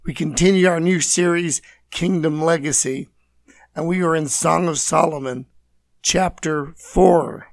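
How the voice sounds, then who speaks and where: A man with a scratchy, hoarse voice, teaching and reading scripture as host of a Bible program. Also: on the high side, steady tone, measured pace, no room sound. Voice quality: scratchy, raspy. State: hoarse from voice loss, recovering.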